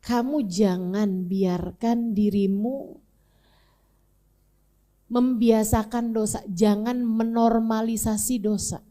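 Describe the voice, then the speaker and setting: A woman's voice: on the high side, steady tone, slow pace, long pauses, warm tone. A woman preacher giving a sermon, telling a prophet's story dramatically. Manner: dramatic storytelling with wide swings. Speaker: female Islamic preacher.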